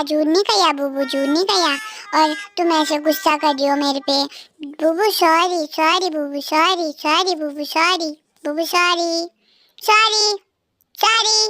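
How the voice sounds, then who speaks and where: A woman's voice: very high-pitched, a bit bright, no echo, studio quality, exaggerated voice. A woman voicing a meek, sweet male cartoon bear husband who pleads and soothes. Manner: pleading, soothing, repeats apologies.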